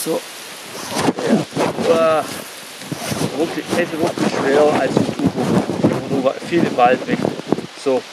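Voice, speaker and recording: A martial arts YouTuber in his forties talks casually to camera in a forest, rambling and halting with plenty of fillers in a steady tone. He gets louder and higher when demonstrating strikes. The camera sits on the ground several meters away, so the audio is distant and carries rain hiss.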